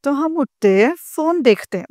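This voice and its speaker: A woman telling her dream to a spiritual congregation, mixing English words into Hindi, with slow pauses and hesitations. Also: high-pitched, lively intonation, darkish tone, no room sound, studio quality. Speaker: devotee sharing a dream experience. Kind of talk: personal testimony to a spiritual congregation.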